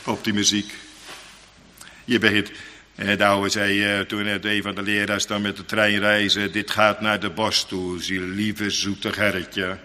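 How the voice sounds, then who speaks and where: Male preacher, dramatic and emphatic, slow delivery, sharp tone, sermon in a hall with long reverb. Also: on the low side, completely flat delivery. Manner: dramatic, emphatic preaching with sudden loud outbursts.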